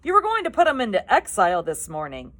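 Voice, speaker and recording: A woman's voice: mid-range voice, huge pitch swings, quick pace, a bit bright, pitched above the performer's own voice. A woman voicing a stern old male tribal elder in a storybook reading, speaking in a pointed, knowing way.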